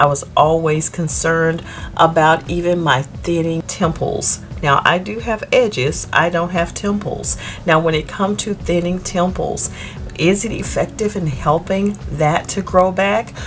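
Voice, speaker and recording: Over light background noise, a woman with an ordinary speaking voice talks at a fairly slow pace, fairly low in pitch, with ordinary pitch variation. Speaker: beauty vlogger. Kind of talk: casual tutorial vlog chat. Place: home room. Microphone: phone near.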